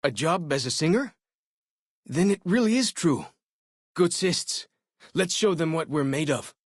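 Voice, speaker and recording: An actor playing a young tribal scout in a video game, friendly, eager and earnest, speaking in simple, informal phrasing. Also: male voice, fairly high pitch, animated, unhurried, husky, no room sound, clean studio sound. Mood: excited, eager. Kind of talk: video game character dialogue.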